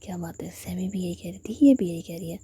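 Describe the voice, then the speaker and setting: A woman's voice: fairly low pitch, quick pace, warm tone, husky. A woman voicing a cheeky young woman in a whispered story, with a teasing manner. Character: cheeky young woman visiting her girlfriend's home.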